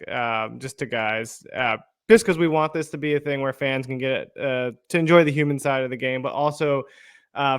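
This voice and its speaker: A man's voice: medium pitch, clear, resonant tone, no room sound, clean studio sound. A man co-hosting a sports podcast, asking questions and laughing along with his guest. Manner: laughs often, encouraging interviewer. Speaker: podcast co-host. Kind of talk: casual podcast chat.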